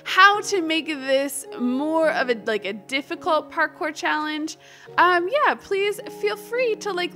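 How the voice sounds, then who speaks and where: A woman giving casual, chatty gaming commentary, giggly and excitable, often talking to herself as she plays. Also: extremely high pitch. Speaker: gaming video host.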